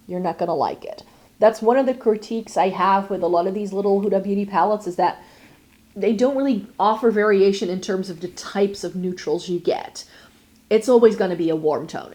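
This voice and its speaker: A woman talks through her eyeshadow palettes in an easy, rambling way. She pauses on "um" and "like" and often corrects herself in mid-sentence. Her voice sits at an ordinary middle pitch. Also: a little mellow. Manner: chatty, many fillers and self-corrections. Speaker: beauty vlogger. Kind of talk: casual product review.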